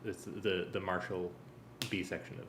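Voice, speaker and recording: Man, fairly low pitch, casual working talk, hesitant, faint room noise, echoey. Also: flat delivery, measured pace. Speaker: music arranger. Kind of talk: casual working talk while planning music cues.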